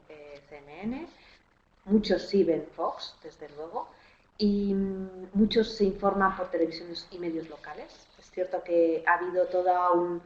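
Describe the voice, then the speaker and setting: A woman political analyst giving a measured, analytical answer in a webinar over a video call. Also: lowish voice, darkish tone. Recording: roomy, dull online audio.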